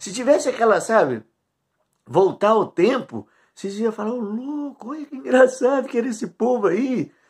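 In a Brazilian accent, a man talks at a moderate pace with an animated tone against a quiet background. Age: 60s. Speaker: vlogger. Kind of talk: casual monologue. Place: home room. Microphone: phone near.

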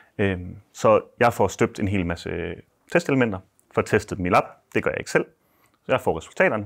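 At a moderate pace, a man speaks with fairly low pitch and ordinary pitch variation against a quiet background. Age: 20s. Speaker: engineer. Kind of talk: casual chat. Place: studio. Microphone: lapel.

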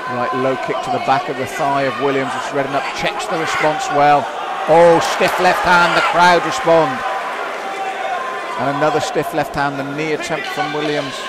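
Loud background noise surrounds a dry sound that has no echo. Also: man, moderate pace. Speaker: fight commentator. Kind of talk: commentary. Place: hall.

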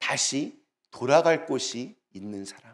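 Here a man speaks with lively intonation. His pitch is medium. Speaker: pastor. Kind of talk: sermon.

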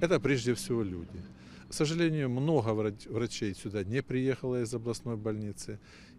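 Light background noise is present. A man speaks at a moderate pace with ordinary pitch variation. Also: dry sound with no echo. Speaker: hospital doctor or health official. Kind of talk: interview. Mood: serious, official. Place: street. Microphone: handheld.

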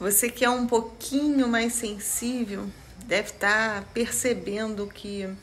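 A woman at a fairly slow pace, her intonation fairly even, with light background noise. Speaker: spiritual vlogger. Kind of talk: casual vlog chat. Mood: calm, reflective, warning. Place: empty room. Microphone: phone near.

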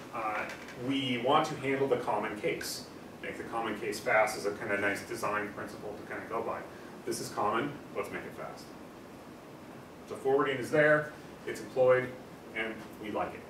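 The speech moves at a moderate pace with long, frequent pauses, set against audible room echo and noticeable background noise. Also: man, fairly even intonation. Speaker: lecturer. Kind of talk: lecture. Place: classroom. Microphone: camera far.

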